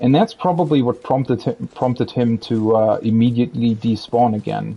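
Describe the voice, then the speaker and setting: A man of medium pitch with a German accent and fairly even intonation. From Germany. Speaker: gaming streamer. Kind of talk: live gameplay commentary. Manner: casual, thinking aloud with hesitations.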